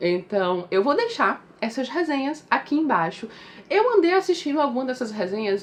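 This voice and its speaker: A woman talks rather quickly, with clear background noise throughout. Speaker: book youtuber. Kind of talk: casual vlog chat. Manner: fast; calmer than before.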